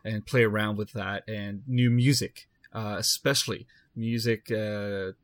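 A man who produces audio dramas, talking casually in a halting way with lots of restarts. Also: on the low side, fairly even intonation. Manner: halting, many restarts and fillers. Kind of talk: casual podcast chat.

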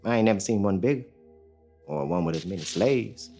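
A deep, gravelly young father. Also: expressive, fairly quick, warm tone, faint music behind. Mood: steady. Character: young enslaved male father, steady and hopeful. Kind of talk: audio drama acting.

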